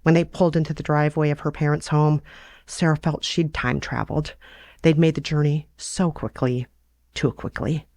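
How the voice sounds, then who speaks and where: A woman's voice: low-pitched, steady tone, moderate pace, darkish tone, no echo. A woman hosting a podcast, reading a story and chatting casually in a wry, self-deprecating way. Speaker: podcast host reading her own novella. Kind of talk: story narration and casual chat.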